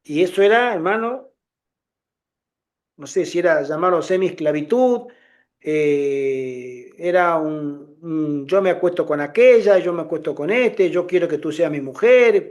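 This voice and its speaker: A middle-aged man giving an informal testimony to a congregation, telling a story in an animated way and acting out the voices of the people he quotes. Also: a little high. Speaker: lay ministry speaker.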